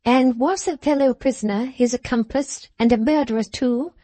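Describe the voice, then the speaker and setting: A woman voicing a stern, unyielding older mother, a widow in a wheelchair, who speaks in a slow, measured way. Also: a little high, dark tone, dry recording, voice pushed up, natural voice.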